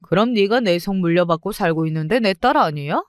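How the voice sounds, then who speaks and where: A woman's voice: on the low side, lively intonation, fairly quick, clear, resonant tone, dry recording, lightly acted. A woman voicing a greedy, sneering estranged father who wheedles for money, in a dry studio read. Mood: wheedling. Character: greedy debt-ridden estranged father, middle-aged man.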